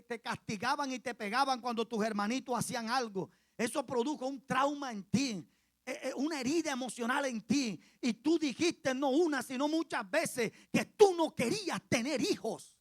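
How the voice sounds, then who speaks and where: A male pastor with a Colombian Caribbean accent preaches a sermon as a story, repeating phrases for emphasis and swinging from soft asides to loud cries. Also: very high-pitched, normal speed, no room sound. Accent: Colombian Caribbean Spanish.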